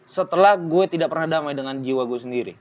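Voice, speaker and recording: A young man born in Spain and raised in Bali, speaking Indonesian with a Medan-style accent, telling his story in an animated, slangy way as a podcast guest. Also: on the high side, fast. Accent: Indonesian with a Medan-style lilt. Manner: animated, slangy, jumps into voices and sung bits. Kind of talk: casual storytelling chat.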